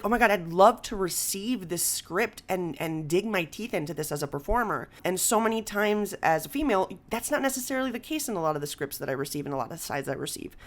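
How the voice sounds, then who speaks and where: Candid woman, mid-pitched voice. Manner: candid, informal, slangy. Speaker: podcast speaker, writer and performer. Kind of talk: casual conversational interview talk.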